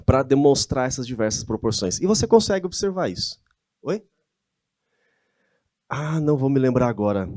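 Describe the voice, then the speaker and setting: The recording is clean studio sound with no room tone, featuring a mellow, medium-pitched male voice. He speaks with a Brazilian Portuguese accent, giving a conversational church lecture with slides and regularly asking the audience rhetorical questions.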